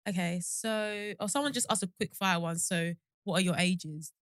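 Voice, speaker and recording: Young woman, bright voice, chatty and rambling, dry close mic. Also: lowish voice, normal speed, no echo. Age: 20s. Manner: chatty, laughs easily, loose and rambling. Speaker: podcast co-host. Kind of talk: casual chat.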